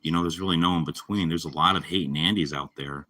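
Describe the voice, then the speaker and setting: Young guy live streaming, super low voice but bright and edgy, kinda raspy from being sick, rambly and laid-back. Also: fairly even intonation, fast. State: slightly raspy from a cold. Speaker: livestreamer. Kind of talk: casual live-stream chat with viewers.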